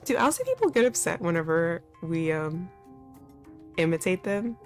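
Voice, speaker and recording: A woman's voice: fairly low pitch, big pitch swings, normal speed, soft background music. Chatty young woman commenting on a game. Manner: chatty, amused asides to viewers. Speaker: let's play streamer. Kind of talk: casual gameplay commentary.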